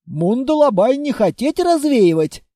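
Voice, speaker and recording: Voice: mid-range voice, animated, measured pace, warm tone, dry recording, studio quality, pitched above the performer's own voice, close to an everyday voice. An audiobook reader voicing a naive, proud tribal warrior who talks in broken grammar and refers to himself in the third person. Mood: stubborn.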